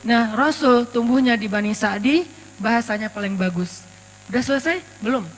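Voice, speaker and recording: A man from Aceh giving a casual, lively sermon, telling stories with humor and quoting Arabic verses. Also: very high-pitched, moderate pace. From Aceh, Indonesia. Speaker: preacher. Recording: long reverb with mains hum.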